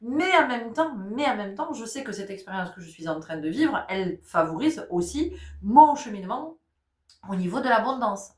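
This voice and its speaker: With a voice on the high side and big swings in pitch, a middle-aged woman with a cold-stuffed nose delivers an informal spiritual talk at a moderate pace. She speaks right to her listeners and laughs often as their guide. The mic sits at a distance, so the sound is roomy.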